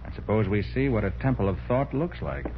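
An actor playing a confident, persistent private detective in a 1940s radio crime drama, assured and reasoning. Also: male voice, lowish voice, big pitch swings, fairly quick. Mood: wry, cautious. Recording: muffled, noisy 1940s radio recording.

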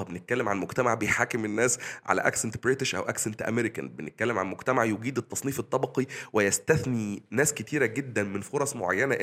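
Very fast-talking Egyptian man. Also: on the low side, a bit bright. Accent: Egyptian Arabic. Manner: argumentative, explaining with statistics. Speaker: discussion participant. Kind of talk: casual podcast discussion.

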